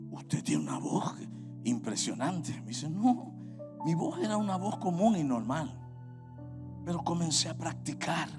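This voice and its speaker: A man with a Puerto Rican accent preaching a sermon, swinging from quiet talk to shouted, sung exhortation over music. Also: fairly high pitch. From Puerto Rico. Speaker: pastor.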